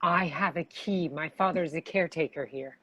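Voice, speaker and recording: A woman playing a bossy, decisive young demon hunter in an animated comedy table read, commanding and matter-of-fact. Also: deep voice, moderate pace, dry recording.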